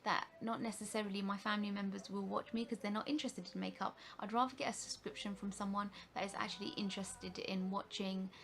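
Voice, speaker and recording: A woman's voice: mid-range voice, steady tone, fast talker, vocal fry, few pauses. A woman in her thirties from the UK, a makeup vlogger chatting to camera in a rambling way with many fillers and restarts. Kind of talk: casual rambling talk to camera.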